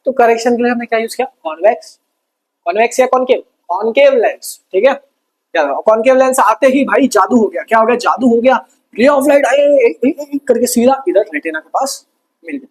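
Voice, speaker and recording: A man teaching a lively exam revision lesson, calling the students brother and asking and answering his own questions. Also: extremely high pitch, fairly quick, breathy edge, low-quality recording. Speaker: science teacher.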